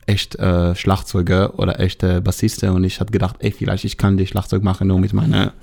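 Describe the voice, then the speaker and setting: A young man from Israel with an Israeli accent, a musician guest speaking halting German with grammar slips. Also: low-pitched, completely flat delivery, creaky, very noisy. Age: young adult.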